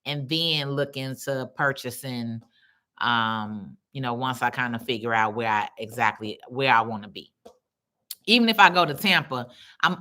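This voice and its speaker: A woman with a Chicago accent hosts a livestream from her phone. Her voice sits low but has a forceful, bright edge. She talks in blunt, slangy, animated chat and calls her viewers baby. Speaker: livestream host. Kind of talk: casual live chat answering comments.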